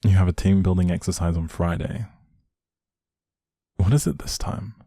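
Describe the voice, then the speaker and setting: A man playing a doting, playfully teasing young boyfriend in an intimate one-sided roleplay, speaking affectionately with a soft, husky voice. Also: steady tone, moderate pace, dry recording, clean studio sound. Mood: attentive, gentle. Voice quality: low, soft, husky, creaky.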